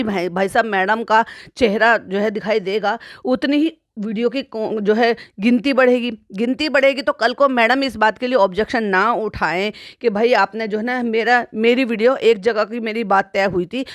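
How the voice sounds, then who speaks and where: With a voice on the high side, this woman hosts a YouTube commentary monologue that's chatty and repetitive, peppered with exclamatory "bhai sahab" asides. The studio sound is clean, with no echo.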